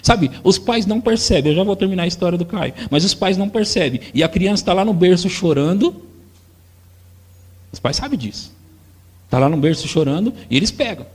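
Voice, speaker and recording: A man in his forties with a Brazilian accent, preaching a sermon as pastor and acting out parents and children in a husky voice. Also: high voice, a little fast. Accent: Brazilian Portuguese. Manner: animated, acts out parents and crying children. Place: church hall. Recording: long church hall reverb.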